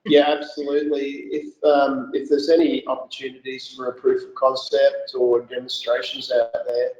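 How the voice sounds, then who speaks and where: A man's voice: mid-range voice, little pitch movement, moderate pace, a little mellow. A man co-hosting a webinar who closes the session, repeating words as he starts his sentences. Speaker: co-host, reseller. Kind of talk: webinar wrap-up. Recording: roomy, lo-fi call audio.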